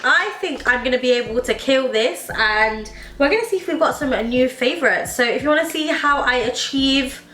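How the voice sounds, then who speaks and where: A woman's voice: sits high, moderate pace, few pauses, sharp tone, roomy sound. A young woman with a slightly wheezy voice from hay fever, chatting through a makeup tutorial in her home makeup room, enthusiastic and full of "like" fillers. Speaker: beauty vlogger. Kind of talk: casual makeup tutorial chat.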